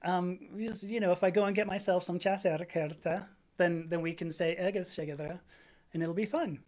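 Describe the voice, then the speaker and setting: A woman's voice: on the low side, fairly even intonation, normal speed, a little mellow. Chatty fifty-something woman streamer. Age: 50s. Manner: rambling, chatty, laughs often, reads out chat comments. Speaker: livestream host. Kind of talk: casual livestream chat.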